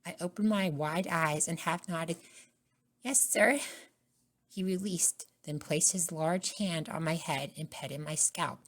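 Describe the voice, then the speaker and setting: A woman narrating a scripted first-person ASMR story in a soft-spoken way. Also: low-pitched, steady tone, measured pace, hardly any pauses. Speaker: narrator and voice actor.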